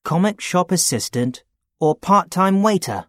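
A man's voice: high voice, a little slow, no room sound, clean studio sound. A man playing a young job-hunting guy. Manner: plain, steady, matter-of-fact. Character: young man looking for part-time work. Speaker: student character in a listening test. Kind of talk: scripted exam dialogue.

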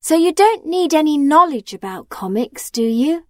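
A woman playing a high-voiced helpful friend. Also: sing-song, moderate pace, fairly bright tone, no room sound, clean studio sound. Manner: clearly enunciated, questioning. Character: young woman, a supportive friend. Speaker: friend character in a listening test. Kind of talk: scripted exam dialogue.

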